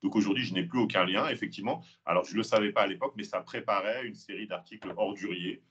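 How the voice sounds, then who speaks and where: A man from the Paris region answering interview questions in a measured way, pausing often with filler sounds. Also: on the low side, a bit bright, a little hiss or hum. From France, Île-de-France. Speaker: guest, police officer and author. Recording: dull lo-fi sound.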